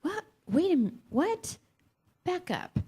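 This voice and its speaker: A woman playing a plain-speaking friend who is quick to take offence, in a staged comedy reading. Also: extremely high pitch, big pitch swings, warm tone, exaggerated voice. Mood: concerned, puzzled.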